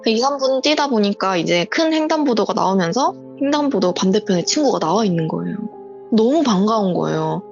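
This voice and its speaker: Calling in by voice, a viewer casually relates a true personal story in a vivid, breathless way, voicing what each person said. Her mid-range voice is expressive, gravelly and a little fast, heard through a muffled call with faint music.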